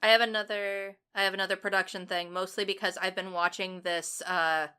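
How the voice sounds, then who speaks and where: Brief: young female co-host, bright edge to the voice, blunt casual opinions. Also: mid-range voice, level tone, brisk, clean tone. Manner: blunt, emphatic, swears. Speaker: podcast co-host. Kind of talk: casual anime review chat.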